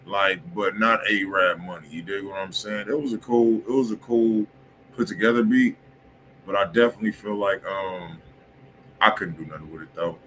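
A music review show host with a fairly low voice reviews tracks on a livestream from his desk in a home studio, talking loose and laid-back with plenty of slang and constant "you feel me" check-ins. His intonation is fairly even and his tone fairly bright. The audio is poor, with faint room hiss underneath.

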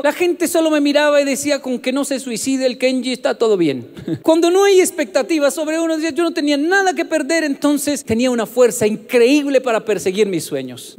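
A man's voice: high voice, darkish tone. A man giving a motivational talk to an audience, telling stories and acting out the voices of the people in them. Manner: storytelling, acts out voices in anecdotes, asks "¿sabe?". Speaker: motivational speaker.

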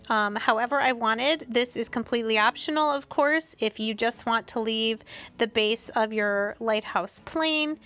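Smooth-voiced woman narrating a craft tutorial. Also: fairly high pitch. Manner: calm, explanatory, chatty asides.

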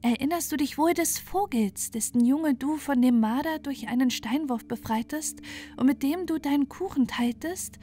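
A woman voicing a kind, pious little talking bird in a bedtime fairy tale, speaking softly and kindly in a sing-song way. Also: high-pitched, moderate pace, pitched above the performer's own voice, natural voice. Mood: tender, comforting.

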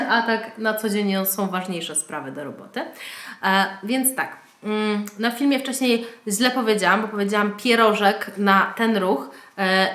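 A woman in her thirties, a mother vlogging at home, showing speech games to toddlers and chanting sounds for them. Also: mid-range voice. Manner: lively, sing-song sounds for toddlers. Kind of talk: casual vlog demonstration. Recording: echoey home room with noise.

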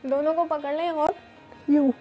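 A young woman with a high voice leads a yoga lesson in a studio. She gives calm, step-by-step instructions and often pauses on fillers. Faint music plays behind her lapel-mic sound. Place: studio with red floor and dark curtains.

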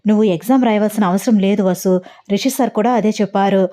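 A woman's voice: mid-range voice, fast talker, dark tone, natural voice. A woman voicing a stern but caring female university professor who scolds and asks urgent questions, in a read-aloud story. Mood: alarmed, scolding.

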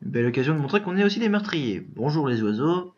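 A man's voice: a little high, big pitch swings, quick pace, a little mellow, dull audio. A man giving casual let's play commentary, breaking into exclamations and frustrated outbursts at a lagging game.

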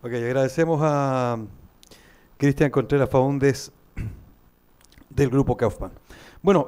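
A man's voice: mid-range voice, darkish tone, clear, resonant tone. A man moderating a conference, giving formal introductions of the speakers. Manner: formal, announcing. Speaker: event moderator.

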